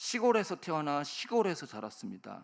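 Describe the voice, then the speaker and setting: The man speaks at a fairly slow pace. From South Korea, Sangju, North Gyeongsang. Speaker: pastor. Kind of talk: sermon.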